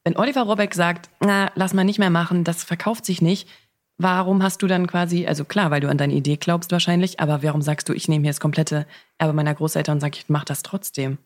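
A woman's voice: on the low side, fairly even intonation, a little fast. A woman co-hosting a casual podcast chat, asking questions that restart midway as she thinks aloud. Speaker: podcast co-host.

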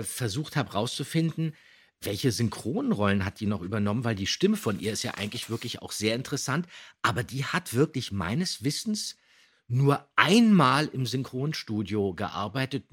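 A man hosting a podcast, chatting casually and telling background facts and anecdotes in an animated way. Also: mid-range voice, normal speed, slightly rough. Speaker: podcast host.

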